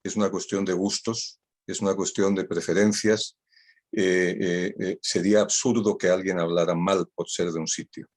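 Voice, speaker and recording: The guest speaker's voice is low-pitched and level, at normal speed. An older man from Spain whose first language is Catalan, he gives a witty, ironic online talk over a video call and repeats key phrases for emphasis.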